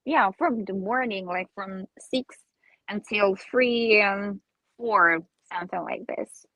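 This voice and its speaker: A woman in her twenties from Armenia, a native Armenian speaker, answering interview questions in halting English and searching for words. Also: medium pitch, sharp tone, dry recording, lo-fi sound. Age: 20s. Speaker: singer guest.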